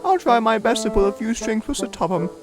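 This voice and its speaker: A man's voice: high-pitched, animated, fairly quick, voice pushed up. A man voicing a fussy, grand older female engine who speaks in a gushing, affected and dramatic way.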